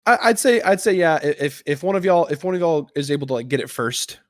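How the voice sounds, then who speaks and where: A man's voice: a little high, animated, fast, no room sound, clean studio sound. A man hosting a casual gaming podcast, explaining a quiz in an informal, conversational way. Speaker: podcast host.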